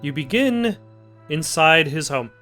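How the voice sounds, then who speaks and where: A man's voice: a little high, expressive, slow pace, bright, forceful tone. A man hosting a let's play, giving casual, rambling gameplay commentary with dry jokes over music. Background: game music.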